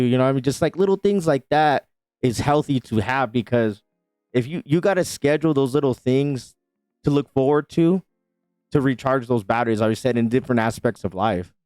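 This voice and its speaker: A man with a smooth, resonant voice talks casually as a podcast co-host. He rambles loosely and swears freely, and the sound is close and dry with faint music underneath. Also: medium pitch, moderate pace, a little mellow, no echo. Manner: loose and rambling, with frequent swearing and "you know what I mean". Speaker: father and husband.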